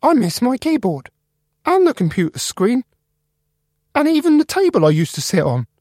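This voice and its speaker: A man doing a squeaky chirpy computer mouse. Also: huge pitch swings, normal speed, a little mellow, dry recording, clean studio sound, full character voice. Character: small male computer mouse, chirpy and upbeat.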